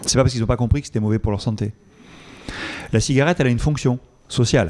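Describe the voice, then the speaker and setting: A man with a medium pitch speaks at a very fast pace, his pitch variation ordinary. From Toulouse, southern France. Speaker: epidemiologist, researcher. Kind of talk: Q&A after conference talk. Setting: conference hall with audience. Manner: hesitant, repeats words.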